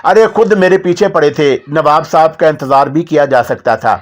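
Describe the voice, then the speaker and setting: A man doing a gruff, furious elderly householder. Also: fairly high pitch, normal speed, close to an everyday voice. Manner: scolding, growling. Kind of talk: audiobook character voice.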